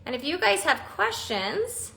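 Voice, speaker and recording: A woman's voice: very high-pitched, big pitch swings, unhurried, gravelly, pushed and bright, reverberant, poor audio. A woman in her forties hosting a casual live stream, chatty and bubbly, laughing often as she talks through makeup. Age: 40s.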